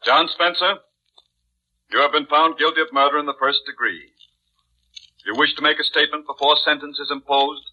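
A man's voice: on the high side, fairly even intonation, normal speed, long pauses, sharp tone, breathy edge, heavily acted. A man playing a stern, unbending judge in 1940s radio drama style. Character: stern, unbending male judge passing sentence. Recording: dull, muddy vintage radio recording.

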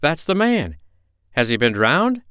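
A man voicing a kind, cheerful animal doctor in a storybook, speaking gently and reassuringly. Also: fairly high pitch, very animated, measured pace, clear, resonant tone, dry recording, studio quality, voice pushed up, heavily acted.

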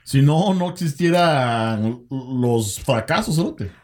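A man co-hosting a casual chat, slangy and relaxed. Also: medium pitch, slow pace. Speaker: podcast co-host.

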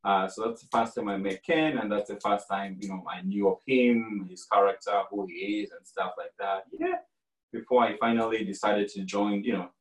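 A man in his forties, originally from Kenya, telling his story as a guest in a relaxed, rambling podcast conversation. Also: on the low side, roomy sound, distant mic, rough recording. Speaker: franchise owner guest.

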